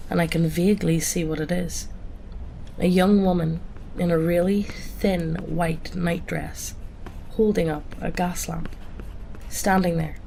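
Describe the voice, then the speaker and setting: A woman with a cold reading a horror story aloud in a calm first-person voice. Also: on the low side, gravelly, slight background noise, low-quality recording. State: has a cold. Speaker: narrator.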